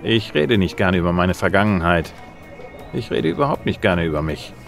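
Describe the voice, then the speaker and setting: Man playing a low-voiced, dry bounty hunter. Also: sing-song, moderate pace, creaky, heavily acted. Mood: dry, self-assured. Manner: laconic, dry, noir-style. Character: male bounty hunter, dry, gruff, self-assured loner. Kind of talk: science fiction radio play, narration and dialogue. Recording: music under the voice.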